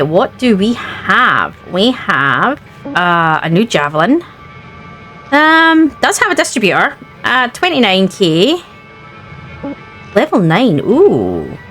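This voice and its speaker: Brief: chatty Scottish woman gaming host, slightly gravelly and sniffly, game music faint behind her. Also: medium pitch, fairly bright tone. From Scotland. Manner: chatty, thinking aloud. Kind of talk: let's play commentary.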